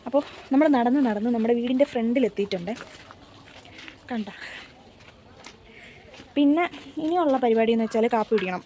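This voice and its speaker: A woman's voice: fairly high pitch, a little hiss or hum. A young woman from Kerala, talking to camera in a casual vlog, musing and confiding as she walks around her home garden. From Kerala, India. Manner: soft-spoken, musing and confiding. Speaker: vlogger.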